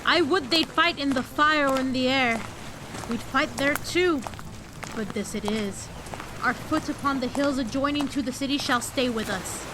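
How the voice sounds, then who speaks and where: High-voiced, betrayed Antony played by a woman. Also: moderate pace, background noise, lightly acted. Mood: resolute. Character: proud betrayed Roman general Antony, passionate and bitter. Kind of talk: Shakespearean audio drama acting.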